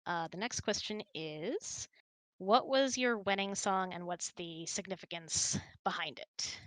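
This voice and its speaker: Woman host chatting about personal stuff, bright voice, really dry close mic. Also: lowish voice, a little slow, dry recording. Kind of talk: casual personal storytelling.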